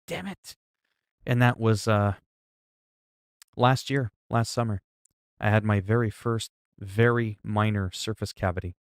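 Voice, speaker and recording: Gravelly, low-voiced man in his forties. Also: measured pace, pauses often, no echo, studio quality. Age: 40s. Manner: rambling, profane, explains with everyday examples. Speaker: livestreamer. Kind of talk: casual chat with viewers.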